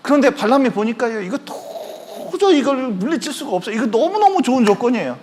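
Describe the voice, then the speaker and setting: A man with a high, lively voice preaching a sermon in a church. He tells his stories with energy, acting out the people in them. His pitch swings widely as he speaks. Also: brisk, slight background noise. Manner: animated storytelling, acting out quoted voices. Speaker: pastor. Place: church sanctuary.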